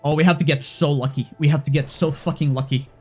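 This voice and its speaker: A man's voice: on the high side, steady tone, quick pace, warm tone, soft background music. A man streaming a game live, shaken and stressed, swearing and repeating himself.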